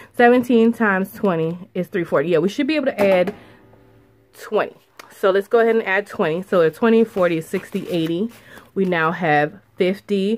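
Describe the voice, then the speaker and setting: The speaker goes at a fairly slow pace with long, frequent pauses and ordinary pitch variation. Music plays in the background. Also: woman. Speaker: budgeting vlogger. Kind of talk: casual vlog chat. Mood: cheerful, playful. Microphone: phone near.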